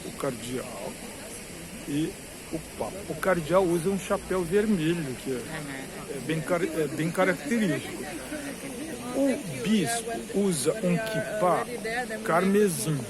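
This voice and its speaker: A Brazilian man with a slightly high voice talks informally and digressively, as if vlogging from a queue. He explains things at length and repeats points for emphasis. A busy crowd is clearly heard around him. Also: expressive, takes it slowly. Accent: Brazilian Portuguese. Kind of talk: rambling informal commentary to camera. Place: among a crowd in a queue outside a cathedral. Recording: busy crowd noise with hiss. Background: crowd chatter.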